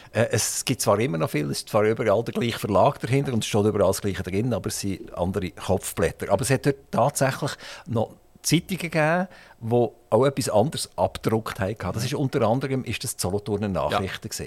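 With a Swiss accent, a man talks at a very fast pace. His pitch is medium and his intonation lively. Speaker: radio interviewer. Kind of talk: radio interview. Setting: radio studio.

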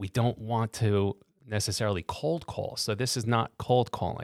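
A man with a New York accent and fairly even intonation, in a very clean recording with a silent background. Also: dry, close sound with no echo. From Brooklyn, New York. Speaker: real estate agent. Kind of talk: interview.

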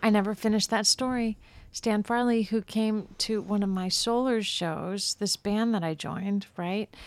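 In a very clean recording with a silent background, a woman with an unremarkable speaking voice talks at a moderate pace, fairly high in pitch, with fairly even intonation. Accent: American. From US Midwest/South (Louisville, Kentucky and Chicago). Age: 50s. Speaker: singer-songwriter. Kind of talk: casual chat. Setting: studio.

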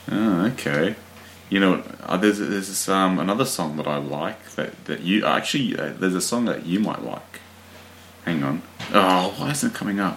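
A man with a very deep, low pitch and ordinary pitch variation, against noticeable background noise. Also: moderate pace. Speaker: father, podcast host. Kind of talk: casual chat with his daughter.

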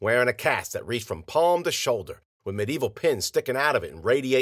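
Quiet surroundings behind plain reading aloud.

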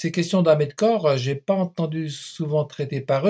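A man's somewhat breathy voice with a dark, mellow tone at a moderate pace, on a very clean recording with a silent background. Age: 70s. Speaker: philosopher and bioethicist. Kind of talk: interview. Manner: halting.

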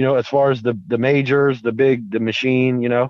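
A man with an unremarkable speaking voice at medium pitch, fairly even intonation and a fairly quick pace. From Baltimore, US. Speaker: hip hop artist. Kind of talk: interview.

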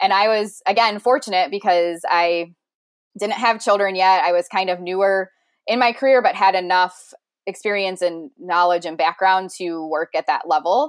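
Recorded very cleanly over a silent background, a plain, everyday voice with an American accent moves at a moderate pace with ordinary pitch variation. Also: woman, medium pitch for a woman. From Ohio. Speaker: behavior analyst and trainer. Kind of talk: interview conversation.

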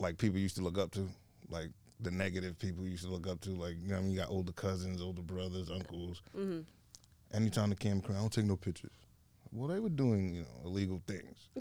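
The speaker has a New York accent and a dark, mellow tone. Delivery is very fast, with ordinary pitch variation. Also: man, very deep, low pitch for a man. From Long Island, New York. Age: 30s. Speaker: chef. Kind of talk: casual chat.

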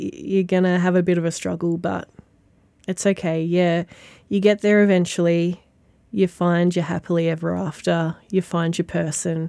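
On a very clean recording with a silent background, a woman with an Australian accent speaks at a fairly low pitch in a dark, mellow tone with monotone, flat intonation. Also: moderate pace. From Sale, Gippsland, Victoria, Australia. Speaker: nurse. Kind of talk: interview testimony.

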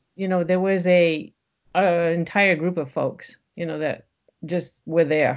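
Her voice fairly low, a woman speaks at a fairly slow pace in a French accent with monotone, flat intonation. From Waterville, Maine, US. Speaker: author and educator. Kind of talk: casual interview.

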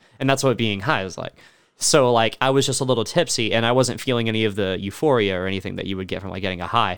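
Talking very fast, a man with an American accent keeps to a medium pitch. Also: ordinary pitch variation. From Alabama, US South. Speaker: music education student. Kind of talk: casual chat. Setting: studio.

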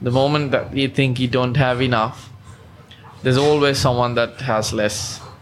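Monotone, flat intonation from a man at a moderate pace, very even in loudness, over noticeable background noise. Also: medium pitch for a man. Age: 30s. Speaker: chef and restaurant owner. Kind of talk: interview. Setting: restaurant with background noise.

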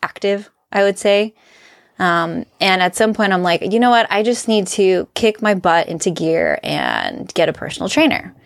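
Medium-pitched, a woman talks at a fairly slow pace with ordinary pitch variation in an ordinary speaking voice. The sound is dry and close, with no echo. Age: 30s. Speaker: fitness enthusiast and weightlifter. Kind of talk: casual chat.

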